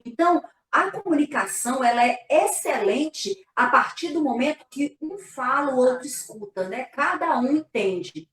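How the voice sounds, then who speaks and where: Higher-voiced woman pastor, echoey room. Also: animated, moderate pace, hardly any pauses, a bit bright, recorded from a distance. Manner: earnest, explanatory, frequent "né?" tags. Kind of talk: casual church live talk.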